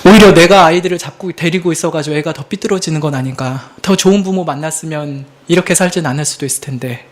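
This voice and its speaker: A man in his thirties, a pastor preaching a sermon in an earnest, confessional way, moving between hushed and emphatic delivery. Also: fairly high pitch, fast, few pauses, slight background noise.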